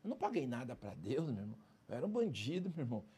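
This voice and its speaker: A fast-talking man with a husky, slightly raspy voice and a lively, swinging pitch. He speaks in an emphatic, streetwise way, pressing each point hard as he tells his story in a casual interview. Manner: emphatic, streetwise, keeps adding "entendeu?" and "cara". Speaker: interview guest, former criminal turned prison speaker.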